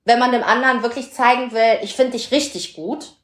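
A woman chatting casually on a podcast, telling a story in an animated way and acting out the dialogue. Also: a little high, a little fast, reverberant.

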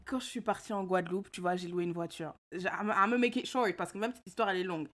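A woman co-hosting a casual chat, telling animated stories and slipping English phrases in. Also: on the low side, fast talker. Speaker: podcast co-host.

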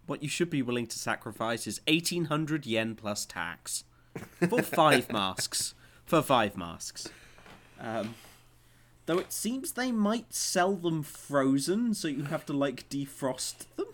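A man's voice: fairly high pitch, very animated, slow pace, fairly bright tone, a little hiss or hum. A man co-hosting a casual news chat, joking in a dry way with plenty of ums and uhs. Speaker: podcast co-host.

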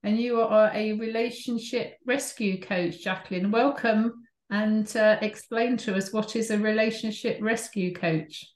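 A woman's voice: medium pitch, fairly even intonation, measured pace, hardly any pauses. A woman hosting an interview, welcoming her guest and asking questions in a friendly way. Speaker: host. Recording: roomy echo.

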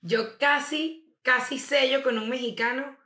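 A woman's voice: high voice, steady tone, a little slow, pushed and bright. A young woman, gossiping casually as a podcast co-host and laughing often. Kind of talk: casual chat. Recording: roomy echo.

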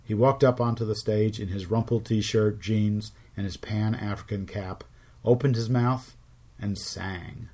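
A middle-aged man hosting a podcast, telling stories in measured scripted narration with wry asides. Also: lowish voice, fairly even intonation, warm tone. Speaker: podcast host.

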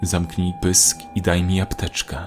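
A man voicing a wounded male soldier who is bleeding, gruff and urgent, in a spoken war story. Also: deep voice, a little slow, music in the background.

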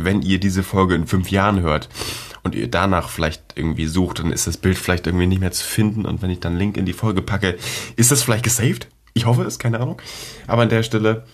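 A teenage boy with a fairly low voice rambles casually into a close podcast mic. He is sick with a cold, so his talk comes with coughs and a congested edge. His chat is loose and slangy, full of fillers and side remarks. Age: teens. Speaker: podcast host.

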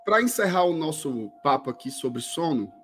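A man's voice: a little high, sing-song, moderate pace, fairly bright tone, faint music behind. A man co-hosting a casual chat, playfully pushing his questions. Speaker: podcast co-host.

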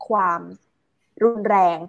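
A woman explaining ideas in a relaxed, casual chat, mixing in English terms and filler sounds. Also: takes it slowly, lo-fi sound.

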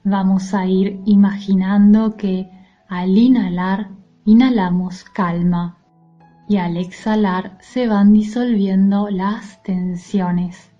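A woman leading a guided mindfulness meditation in a soothing, gentle, soft-spoken manner. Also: mid-range voice, fairly even intonation, slow pace, muffled recording. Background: music.

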